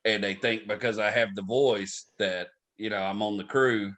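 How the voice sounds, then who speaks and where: A man's voice: on the low side, normal speed. A man from Louisiana with a Southern accent, a comedian guest trading profane, joking stories in casual podcast banter. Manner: animated storyteller, profane, joking.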